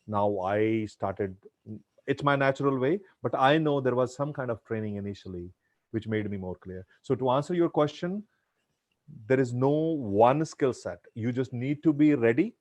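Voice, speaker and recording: A man's voice: mid-range voice, lively intonation, moderate pace, darkish tone, dry recording. Earnest Indian man giving advice. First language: Punjabi. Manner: earnest, advisory, repeats himself. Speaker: guest speaker. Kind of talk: answering audience questions.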